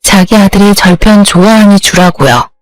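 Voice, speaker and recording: A woman's voice: mid-range voice, normal speed, dry recording, soft background music. A woman in her thirties telling her own story in scripted narration, with an aggrieved, plaintive tone. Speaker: story narrator, the wronged wife.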